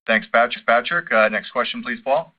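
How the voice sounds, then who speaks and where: Mid-pitched male moderator, muffled audio. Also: normal speed. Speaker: call moderator. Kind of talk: moderating an earnings call. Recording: muffled lo-fi conference call audio.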